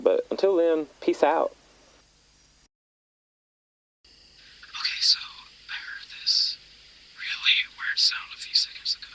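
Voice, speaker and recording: An actor playing a young male hiker who records a calm, matter-of-fact tape diary on the trail in an audio drama. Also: mid-range voice, poor audio. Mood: hushed whisper. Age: young adult. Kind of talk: found-footage audio drama.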